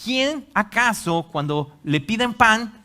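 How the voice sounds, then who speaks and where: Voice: medium pitch, slow. A preacher giving a live sermon to a congregation, acting out quotes and asking the audience questions. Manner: animated, acts out quotes, asks the audience questions. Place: church hall with a congregation.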